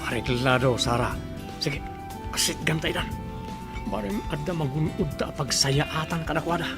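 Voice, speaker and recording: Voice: medium pitch, moderate pace, close to an everyday voice. An actor playing an eager, flirty gay waiter in an Ilocano comedy radio drama, with a playful, exaggerated delivery. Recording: radio drama with music behind.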